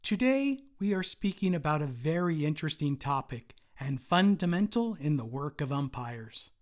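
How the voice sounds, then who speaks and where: A man, a retired umpire, giving a formal prepared presentation at a convention in a measured, read-aloud way. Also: on the high side, very animated.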